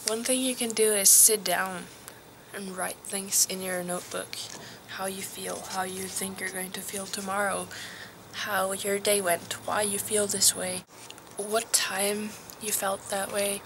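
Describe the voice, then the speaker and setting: A hesitant teenage girl talks through a casual vlog outside, her voice at an ordinary middle pitch. She speaks gently, trailing off and slipping into whispers now and then. A faint hum of outdoor ambience sits behind her. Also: little pitch movement, measured pace, rough recording. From Norway. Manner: soft, hesitant, drops to a whisper at times. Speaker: vlogger.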